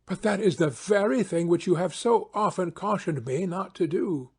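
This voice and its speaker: A man voicing a proud, anxious gentleman baronet in an audiobook, formal and a little plaintive. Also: sits high, normal speed, breathy edge, voice pushed up. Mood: grudging. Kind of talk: audiobook character acting.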